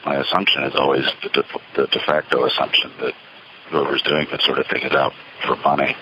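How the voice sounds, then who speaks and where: A man giving a halting, reflective, rambling monologue on a payphone call from an outdoor phone enclosure, with a slightly noisy line. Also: very deep voice, little pitch movement. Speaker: solo caller recording monologues from payphones.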